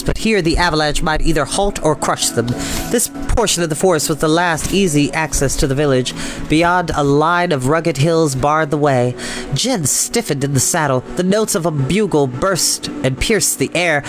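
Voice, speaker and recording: Higher-voiced man reading a story over music. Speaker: storyteller reading a novel aloud. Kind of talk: dramatic audiobook-style narration. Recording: music behind the voice. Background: background music.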